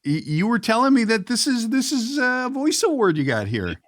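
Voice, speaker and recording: A middle-aged man hosts in a casual, joking way. His pitch moves around in a lively manner, and the sound is close and dry with no room around it. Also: moderate pace, dry recording. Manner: joking, conversational. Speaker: podcast host. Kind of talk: casual comedic interview.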